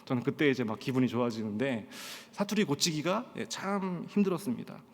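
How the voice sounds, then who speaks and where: A male pastor from Pohang in South Korea, telling stories in a sermon at a Friday prayer meeting and often filling pauses with a short "yes". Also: mid-range voice. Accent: standard Korean, trained out of Gyeongsang dialect. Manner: storytelling with frequent "예" fillers and acted-out quotes. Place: church sanctuary. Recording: long church-hall reverb.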